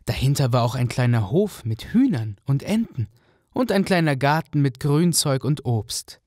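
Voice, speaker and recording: A man narrating a fairy-tale radio play in a calm, clear storytelling manner. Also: medium pitch, moderate pace, no room sound, studio quality. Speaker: narrator, also voicing the fisherman.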